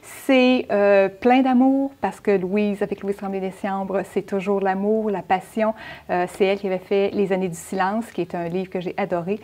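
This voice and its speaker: A woman's voice: mid-range voice, fairly even intonation, moderate pace, dark tone. A woman with a Québécois French accent presents gift books on a TV chat segment, with many fillers and restarts. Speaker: guest book columnist.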